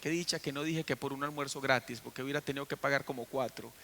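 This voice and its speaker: A man's voice: medium pitch, fairly even intonation, quick pace, vocal fry, sharp tone. A man preaching a sermon as pastor, telling the story and putting questions to the congregation. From Costa Rica. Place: church.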